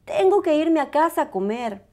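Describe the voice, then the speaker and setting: A woman's voice: high voice, very animated, normal speed, a little mellow, voice pushed up. A woman voicing an eager, polite little boy bear cub from a storybook, childlike and earnest.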